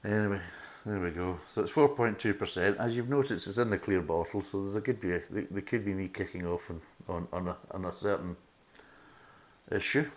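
Scottish man, middle-aged, low voice, casual podcast host, chatty, sweary. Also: brisk. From Scotland. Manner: chatty, swears freely, laughs at own jokes. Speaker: beer review podcast host. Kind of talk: casual chat.

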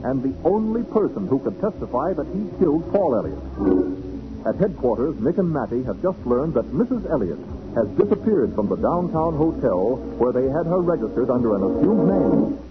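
A man's voice: mid-range voice, big pitch swings, normal speed, close to an everyday voice. Male dramatic radio announcer with sweeping intonation. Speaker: announcer, narrator. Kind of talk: 1940s radio serial narration. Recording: thin, phone-like 1940s radio recording.

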